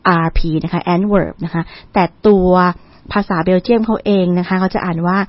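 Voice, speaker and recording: A woman's voice: lowish voice, steady tone, moderate pace, no room sound. A woman lecturer hosting a radio segment, telling a travel story in a chatty, polite way. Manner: chatty, polite, ends phrases with soft particles. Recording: dull lo-fi radio sound.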